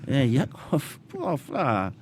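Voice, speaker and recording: Here a businessman with a Brazilian Portuguese accent speaks at ordinary speed, with slight hiss or hum in the audio. As an interview guest in a casual setting, he narrates animatedly, voicing quotes at a higher pitch and sprinkling in plenty of "né?".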